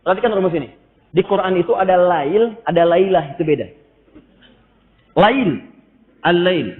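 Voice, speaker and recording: A lively male preacher delivers a humorous sermon with a high voice. He sounds tinny, as if over a phone line, and his words echo through a big hall. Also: normal speed. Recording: tinny echoey hall recording.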